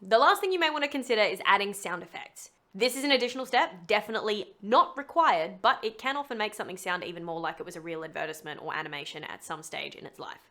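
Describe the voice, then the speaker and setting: A woman presents a tutorial in a chatty, explanatory style. Her pitch sits in the middle range, and she leans on key words expressively as she walks viewers through each step. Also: animated, fast, hardly any pauses, pushed and bright. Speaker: voice-over tutorial host.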